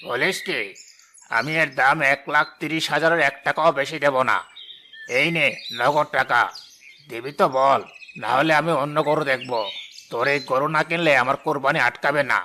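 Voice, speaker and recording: Hashem: bragging rich villager. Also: male voice, a little high, normal speed, sharp tone, slight background noise. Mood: haggling. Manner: bragging, brash, domineering. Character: boastful wealthy middle-aged village man, show-off. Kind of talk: cartoon voice acting.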